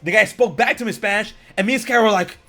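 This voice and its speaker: A young man from the United States with a high, bright voice, spinning a lively story in loose conversation. He acts out what people said, jumping up loud and high for the punchlines. Faint music sits under the recording. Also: fast. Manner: animated, acts out quotes with loud jumps. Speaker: podcast host. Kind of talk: casual storytelling chat.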